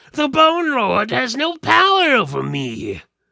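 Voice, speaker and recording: A man uses a put-on character voice at an extremely high pitch. He speaks at a fairly slow pace. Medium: read story. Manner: persuasive, casual.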